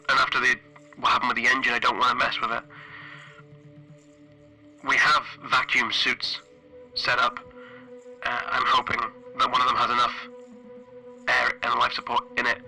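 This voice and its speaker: A man playing a weary, frightened spaceship engineer in a solo role-playing game, recording a halting, hesitant audio log. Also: medium pitch, pushed and bright, poor audio. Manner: hesitant, halting, broken phrasing.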